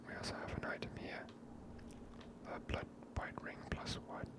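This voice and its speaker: Casting: hushed ASMR game streamer, whispered delivery throughout, unvoiced and soft. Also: normal speed.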